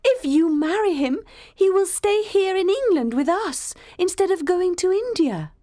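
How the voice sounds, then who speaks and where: A woman's voice: very high-pitched, a little slow, dry recording, clean studio sound, voice pushed up. A woman reading an eager, caring young woman. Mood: delighted. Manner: eager, concerned, lively. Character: kind, earnest young woman, caring sister.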